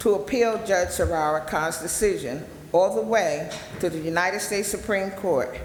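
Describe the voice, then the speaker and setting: The speaker has an American accent and a moderate pace with ordinary pitch variation. Audible room echo and noticeable background noise surround the voice. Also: woman. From New Jersey, Paterson. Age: 60s. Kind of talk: reading aloud. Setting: city council meeting. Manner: halting.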